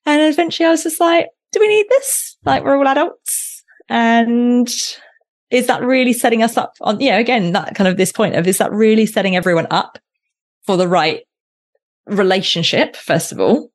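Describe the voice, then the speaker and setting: A woman's voice: on the high side, moderate pace. A woman facilitator chatting as a podcast guest, reflective and thinking aloud with many restarts. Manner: reflective, with frequent restarts and fillers. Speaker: guest, workplace learning facilitator. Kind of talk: casual podcast conversation.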